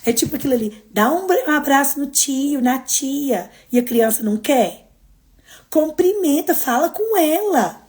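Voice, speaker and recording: A woman with a Brazilian Portuguese accent, hosting a casual motivational live stream, expressive and moving between emphatic and soft delivery. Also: high-pitched, measured pace. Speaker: host of daily live streams.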